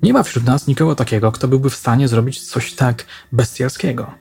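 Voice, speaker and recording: A man's voice: medium pitch, brisk, vocal fry, darkish tone, slightly rough. Man voicing a mild, evasive male teacher. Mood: terse.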